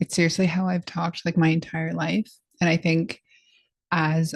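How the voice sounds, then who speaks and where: A woman's somewhat breathy, fairly low voice with fairly even intonation and a dry, close sound with no echo. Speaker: wellness vlogger. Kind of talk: casual talk to camera. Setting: video call. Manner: slow; halting.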